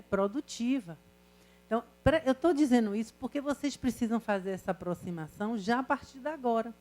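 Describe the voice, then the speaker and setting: A woman's voice: mid-range voice, warm tone. An older woman professor, lecturing a class in a chatty way, full of rhetorical questions and stories. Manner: conversational, asks students rhetorical questions. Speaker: university professor.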